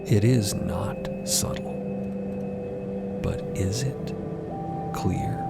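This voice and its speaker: Slow, gravelly man narrating over prominent music. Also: fairly low pitch. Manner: hushed, halting, deliberate phrasing. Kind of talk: dramatic scripted audio-fiction narration. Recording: prominent music bed under the voice.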